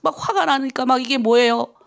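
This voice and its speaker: Preaching a dawn prayer sermon, a middle-aged woman pastor speaks in a high-pitched voice with a gravelly, fry-laden edge. Her delivery is brisk and emphatic, blending rhetorical questions with stories from her own life.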